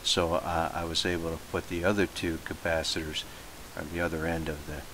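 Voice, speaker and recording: Deep-voiced man narrating over hiss. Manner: halting, thinking aloud with self-posed questions. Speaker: hobbyist narrating own repair video. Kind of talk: casual how-to narration. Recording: hissy home recording, steady noise.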